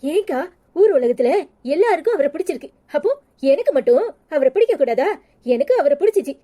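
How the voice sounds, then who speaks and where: A woman's voice: high voice, expressive, brisk, warm tone. A woman voicing a sulky young village woman in a cartoon, with a Tirunelveli Tamil accent and a pleading, self-pitying manner.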